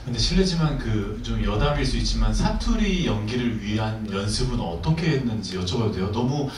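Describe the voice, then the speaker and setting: A man moderating a film Q&A, asking polite questions in a lively way. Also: medium pitch, brisk, slight background noise. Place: cinema hall with audience. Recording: echoey cinema hall from far off.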